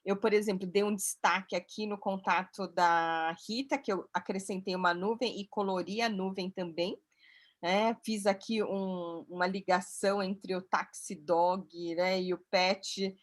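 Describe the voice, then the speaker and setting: A woman instructor interviewing a student and walking through software steps in a clear, encouraging way. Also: mid-range voice, fairly even intonation, unhurried. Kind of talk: explaining software while interviewing.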